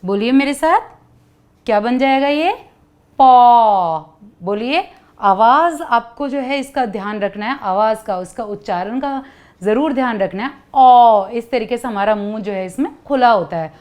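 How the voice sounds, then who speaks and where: Teaching letter sounds in a children's Hindi class, a woman speaks with a slightly high voice and lively intonation. She stretches every sound out slowly for the children to echo back and peppers them with questions.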